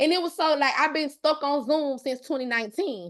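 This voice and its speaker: A woman talks in a Mississippi accent with a high pitch and an animated tone. The background is quiet. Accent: Southern US (Mississippi). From US South, Greenville, Mississippi. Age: 30s. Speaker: online business coach. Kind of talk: live webinar class. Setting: video call.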